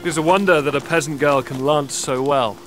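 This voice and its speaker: An actor playing a hearty, gallant young duke in an audio drama, speaking in a courtly manner. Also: male voice, on the high side, a little fast, over music, lightly acted. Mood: admiring.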